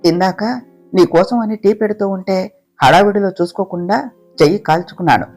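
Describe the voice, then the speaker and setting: A storyteller voicing a shy, loving young wife in an audiobook romance, speaking softly and pleadingly. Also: mid-range voice, a little fast, faint music behind, lightly acted.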